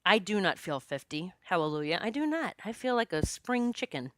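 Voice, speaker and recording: A woman in her late forties talks through a solo podcast episode. She is chatty and expressive, and her voice is bright and forceful. The sound is dry and close, with no room echo. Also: lowish voice, normal speed. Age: 40s. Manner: chatty and expressive, jokes with listeners. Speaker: podcast host and psychic medium.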